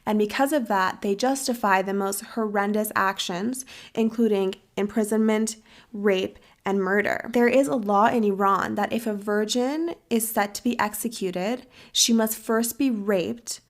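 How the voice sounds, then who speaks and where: A young woman hosting a podcast, talking in an earnest, measured and serious way. She grew up in the United States and her first language was Farsi. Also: mid-range voice. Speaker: podcast host. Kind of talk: earnest interview and commentary.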